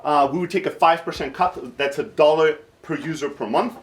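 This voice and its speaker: A jet-lagged, sleep-deprived Greek man in his thirties, raised in southern Germany, gives an informal workshop talk. His voice sits on the high side at a moderate pace, and his manner is blunt, irreverent and self-deprecating.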